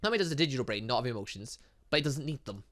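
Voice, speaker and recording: A man voicing a scientist father from a visual novel, explaining things in a measured, lecturing way. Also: mid-range voice, very animated, fairly bright tone. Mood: explanatory. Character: scientist father of a robot girl, explaining patiently. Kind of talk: reading visual novel dialogue aloud.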